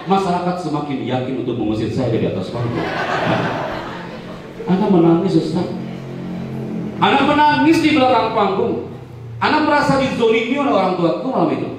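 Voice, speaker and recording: Male motivational speaker, dramatic storyteller, upper-pitched; distant mic in a reverberant hall. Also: lively intonation, fairly quick, pauses often, noisy background. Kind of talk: storytelling seminar talk.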